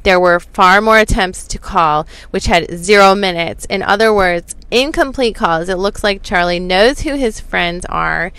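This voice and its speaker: A woman's voice: lowish voice, fairly bright tone, clean tone, no echo. A woman hosting an online video, giving informal commentary and explaining things to viewers step by step. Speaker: host of a true crime video channel. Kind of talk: informal commentary going through figures for viewers.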